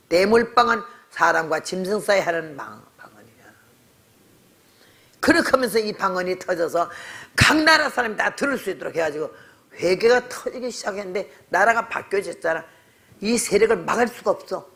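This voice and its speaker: A woman's voice: mid-range voice, vocal fry, a bit bright. An older woman missionary preaching a sermon, telling a story in a blunt, scolding way. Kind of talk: sermon with testimony.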